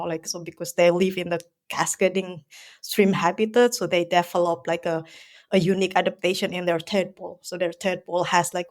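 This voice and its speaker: A woman from Indonesia talks in an easy, casual way as a guest on an interview show. Her speech wanders and is full of "you know" and "like". Her voice sits at a middle pitch. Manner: chatty, many fillers like "you know, like". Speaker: guest, herpetologist.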